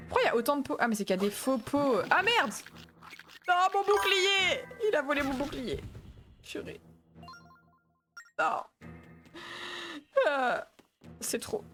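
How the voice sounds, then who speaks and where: A young woman streamer chatting casually and laughing with panicky yelps while she plays a game. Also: mid-range voice. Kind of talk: casual gaming stream commentary.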